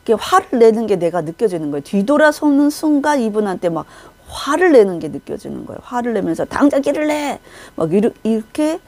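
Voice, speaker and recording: A middle-aged woman telling a vision at a church testimony with a mellow, warm tone. She tells it vividly, acting out the people in it. Her voice sits at an ordinary middle pitch. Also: sing-song, a little fast, few pauses, dry recording. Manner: vivid storytelling, acting out shouted quotes. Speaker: testimony speaker. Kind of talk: Christian testimony, recounting a vision.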